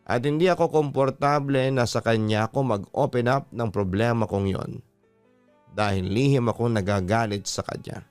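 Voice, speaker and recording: Filipino man narrating, clear, smooth voice. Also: medium pitch, normal speed, dry recording. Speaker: host reading a listener's letter. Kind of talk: dramatic radio letter narration. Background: background music.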